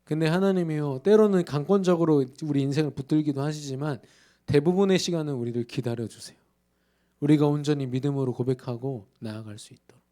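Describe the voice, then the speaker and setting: Male pastor preaching in church, keeps asking the crowd questions, mellow slightly high voice. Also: a little fast. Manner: emphatic preaching with rhetorical questions. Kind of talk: sermon.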